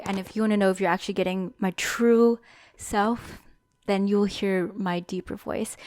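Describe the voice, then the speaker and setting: A woman's voice: mid-range voice, no echo, clean studio sound. A young woman hosting a solo podcast, talking candidly and thinking aloud about what she has learned. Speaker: podcast host. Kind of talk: solo reflective podcast monologue.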